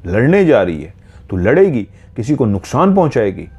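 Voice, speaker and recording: A man's voice: medium pitch, sing-song, moderate pace, a little mellow, slightly rough. A man quoting a pious older mother who soothes and firmly pleads with her angry daughter. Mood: pleading.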